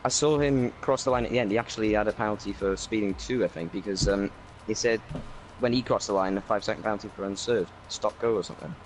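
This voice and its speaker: A Welsh man talking through his race as a league driver in a casual interview, rambling with many fillers and speeding up when excited. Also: fairly low pitch, fast talker, hardly any pauses, a little hiss or hum, rough recording. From Wales.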